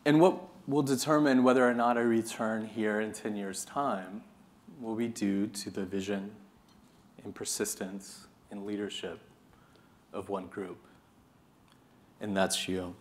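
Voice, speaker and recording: The keynote comes from a man in his thirties with an American accent from California, whose voice sits on the low side. He keeps a measured pace and pauses often, yet his delivery to the seated audience is earnest, animated and passionate. A podium microphone picks him up as he roams the stage.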